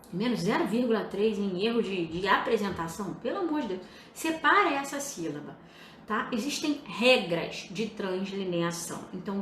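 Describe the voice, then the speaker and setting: A young adult woman teaches writing on a live stream. She talks straight to her students, emphatic and lively, in a slightly high voice. The sound is echoey, with a faint hiss under it.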